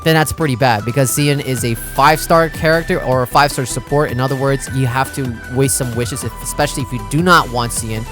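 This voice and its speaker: A man's voice: medium pitch, brisk, few pauses, fairly bright tone. A man doing casual gaming reaction commentary as a YouTuber, informal and slangy, thinking aloud as he goes. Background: background music.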